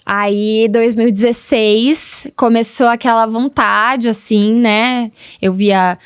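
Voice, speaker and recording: A woman in her thirties with a São Paulo interior caipira accent, a podcast guest telling stories in an animated, casual way. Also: a little high, slow, smooth, no echo, studio quality. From Piracicaba, São Paulo state, Brazil. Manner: animated, acts out dialogue, laughs often. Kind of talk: casual storytelling chat.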